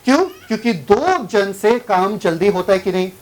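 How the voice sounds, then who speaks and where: Pastor leading a sermon, keeps quizzing the congregation. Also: male voice, high voice, sing-song, moderate pace, a little mellow, poor audio. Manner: questions the congregation and drives for answers.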